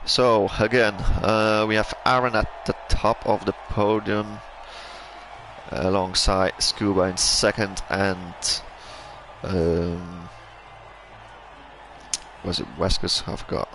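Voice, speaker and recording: Gravelly low Belgian-accented race caster. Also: male voice, level tone, slow, rough recording. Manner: hesitant, many fillers and restarts. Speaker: race commentator. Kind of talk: sim racing commentary. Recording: game engine noise and loud music behind. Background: engine noise and music.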